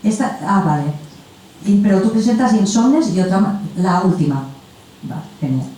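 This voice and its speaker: A woman's voice: mid-range voice, lively intonation, moderate pace, warm tone. A woman moderating a literary panel, introducing guests in a chatty, effusive and informal way. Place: event room at a festival. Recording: echoey room, distant mic, faint noise.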